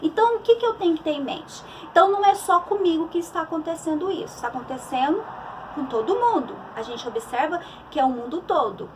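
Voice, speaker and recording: A woman's voice: high voice, lively intonation, fast, far from the mic, slight background noise, rough recording. A middle-aged woman psychologist with a Brazilian Portuguese accent, giving a conversational church talk on emotions with many restarts and fillers.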